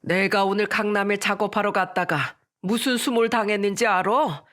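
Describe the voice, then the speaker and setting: A storyteller voicing a middle-aged working man, a father who raises his voice in loud indignation. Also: high voice, moderate pace. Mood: angry. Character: hardworking older father, plumber, hurt and angry. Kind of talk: storybook narration.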